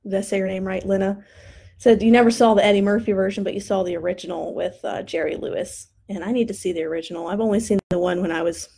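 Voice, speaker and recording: A woman's voice: medium pitch, steady tone, quick pace, gravelly, dark tone, breathy edge. Chatty woman critiquing design work. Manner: chatty, enthusiastic, thinking aloud. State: tired, voice starting to crack. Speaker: design instructor reviewing student posters. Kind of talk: live-stream design critique.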